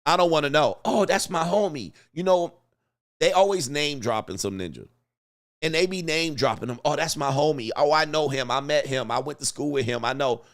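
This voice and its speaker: A man's voice: a little high, moderate pace. A middle-aged man from Southern California, hosting a casual livestream and reading viewer super chats with laughing, mocking asides.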